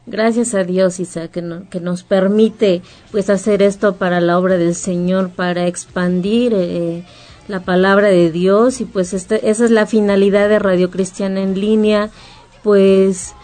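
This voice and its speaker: A woman hosts a Christian radio program, her voice sitting at an ordinary middle pitch. She talks in an unhurried, friendly way, addressing listeners and her guest. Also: fairly even intonation, warm tone, faint music behind. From Mexico. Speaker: radio host.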